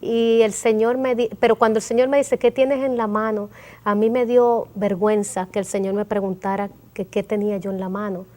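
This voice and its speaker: A woman's voice: mid-range voice, flat delivery, a little fast, few pauses, mellow. A woman telling an emotional story of prayer and a vision as a guest on a Christian talk show, quoting her own prayers.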